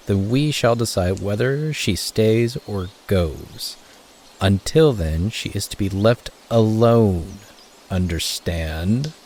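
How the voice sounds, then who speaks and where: A man playing a stern, protective male wolf who leads his pack in an audio drama, speaking with measured authority. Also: lowish voice, a little mellow, slight background noise.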